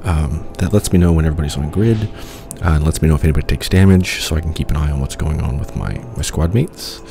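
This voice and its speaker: A man's voice: rumbling low, fast, creaky, noisy background. A man with a cold hosting a casual video game playthrough, rambling easygoing talk with lots of filler. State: stuffed up with a cold. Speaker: let's play host. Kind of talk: casual gameplay commentary.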